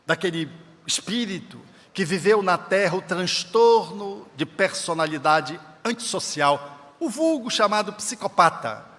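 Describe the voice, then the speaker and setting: A man's voice: high voice, expressive, unhurried, a bit bright, long reverb tail. A man giving an emphatic spiritist lecture at an event, in a preacherly way that quotes scripture. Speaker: spiritist speaker. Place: large event hall.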